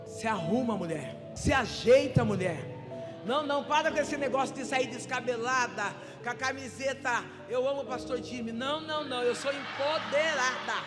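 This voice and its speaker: A woman pastor with a Brazilian Portuguese accent preaching a sermon, building up to shouted, fervent calls and speaking in tongues, recorded live in a church. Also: sits high, normal speed. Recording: live church reverb with music. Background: music.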